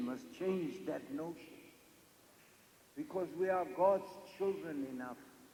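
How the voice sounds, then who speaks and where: A man's high-pitched voice moves with lively intonation, and room echo is audible. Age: 80s+. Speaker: conference speaker. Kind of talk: conference speech.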